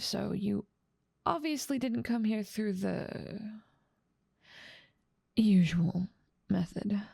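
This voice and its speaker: A woman's voice: medium pitch, creaky, darkish tone, husky, no room sound, studio quality, exaggerated voice. A woman playing a haughty, dominant demon lord who mocks and teases the listener in a scripted ASMR roleplay. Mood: amused, curious. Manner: dominant, amused, mocking, theatrical. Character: haughty, teasing female demon lord ruling part of hell.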